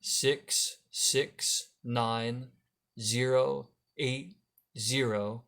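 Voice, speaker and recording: A man's voice: medium pitch, steady tone, very slow, creaky, fairly bright tone. A man calling in, giving short answers and reading out digits one at a time. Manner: terse, reads digits one by one. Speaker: caller.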